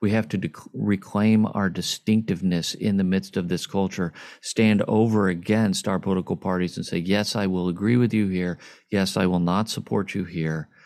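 An ordinary speaking voice, this man talks at a moderate pace with a fairly low pitch and fairly even intonation, on a very clean recording with a silent background. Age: 50s. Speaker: seminary professor and dean. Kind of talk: interview conversation.

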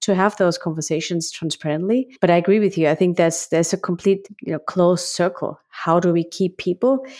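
Fairly low in pitch with a dark, mellow tone, a woman with an Austrian accent talks at a fairly quick pace with ordinary pitch variation. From Austria, Graz. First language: German. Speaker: HR analytics researcher. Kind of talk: interview. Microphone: good-looking, better mic than hosts.

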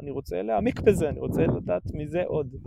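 The voice has a dark, mellow tone at a fairly quick pace, with a dry, close sound and no echo. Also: man. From Israel, Beersheba. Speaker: community organizer. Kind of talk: casual interview. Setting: outdoors in his garden.

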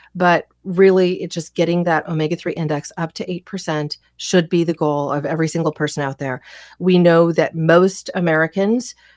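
A woman's normal speaking voice, fairly low in pitch with fairly even intonation, at a moderate pace, in a dry, close, very clean recording with a silent background and no echo. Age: 40s. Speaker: nutrition educator and supplement company representative. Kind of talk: interview on health radio show.

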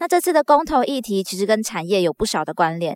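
A woman talks at a fairly quick pace in a fairly high pitch, with very wide pitch swings. The sound is dry and close, with no echo. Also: very clean recording, silent background. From Taiwan. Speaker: podcast host. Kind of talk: solo news commentary podcast. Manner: casual, conversational.

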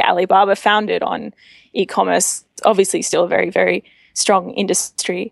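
A woman speaks with an Australian accent over a quiet background. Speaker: tech journalist and editor. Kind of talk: casual interview.

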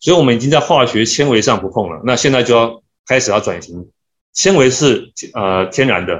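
A plain, everyday voice from a man at medium pitch, with lively intonation and a fairly quick pace. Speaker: executive of a family clothing company. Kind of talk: live-stream business talk.

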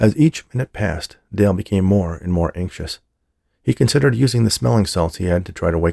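A natural reading voice is heard against a quiet background.

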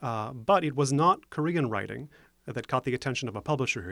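With an American accent and vocal fry, a man speaks very fast in a very clean recording with a silent background. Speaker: writer. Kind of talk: interview conversation.

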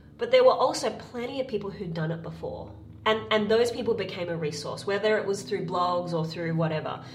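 With an Australian accent, a woman talks fairly quickly at a medium pitch. Background noise is noticeable. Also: ordinary pitch variation. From Perth, Australia. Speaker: event producer. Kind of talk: casual interview chat.

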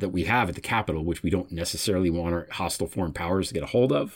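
A man in a very clean recording with a silent background. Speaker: podcast host. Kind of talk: interview.

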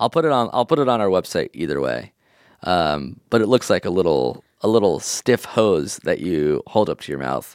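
A man's very deep, low voice with vocal fry and very wide pitch swings, moderate pace, dry and close with no echo, very clean recording over a silent background. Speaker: comedy advice podcast co-host. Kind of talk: casual comedic chat.

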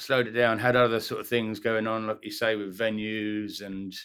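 A bright, sharp tone at a moderate pace. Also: man. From Essex, England, on the edge of London. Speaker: DJ and producer. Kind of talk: interview.

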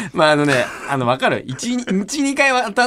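A man's very fast, animated delivery over noticeable background noise. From Okayama. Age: 30s. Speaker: actor and livestreamer. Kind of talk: radio show banter.

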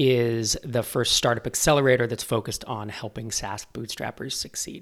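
This man speaks with a normal speaking voice at a medium pitch, at a moderate pace and with fairly even intonation. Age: 40s. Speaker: startup investor and podcaster. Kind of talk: interview.

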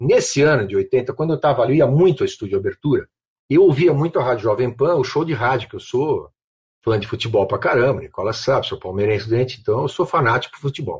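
A man talks at a fairly quick pace, somewhat breathy. His pitch varies in an ordinary way, and the background is quiet. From São Paulo, Brazil (Zona Norte). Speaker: actor and voice-over artist. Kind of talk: casual interview chat. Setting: online call. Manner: animated.

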